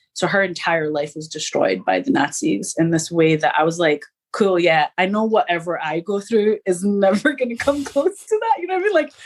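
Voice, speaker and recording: A woman talks in a Scottish accent with hardly any pauses. Her pitch swings very widely. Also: medium pitch for a woman. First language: Polish. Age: 30s. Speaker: filmmaker and actor. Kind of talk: casual chat. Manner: animated, fast.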